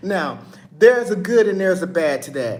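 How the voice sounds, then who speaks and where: Over noticeable background noise, a man talks loudly in an animated tone, with lively intonation and a high pitch. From United States. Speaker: vlogger. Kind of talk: casual vlog monologue. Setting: indoors by open window.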